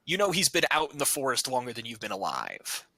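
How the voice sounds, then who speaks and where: A man's voice: mid-range voice, wildly swooping pitch, a little fast, sharp tone, no room sound, rough recording. A man narrating a tabletop game as game master, casual and joking, and he swears freely.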